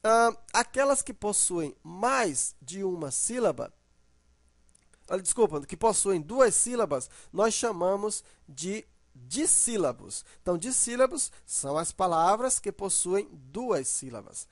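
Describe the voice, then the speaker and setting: A man's voice: high voice, very animated, a little slow, no room sound. Guy teaching a grammar lesson, patient, stretches words out to show stress, keeps checking in, dry close sound. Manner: patient and explanatory, asks "né?" and "ok?" often; draws out example words to show the stressed syllable.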